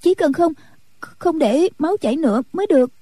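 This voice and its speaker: A woman voicing a timid, tender young nun in a storybook reading, in a soft, anxious, pleading way. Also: sits high, brisk, no echo, pitched above the performer's own voice, natural voice. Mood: worried.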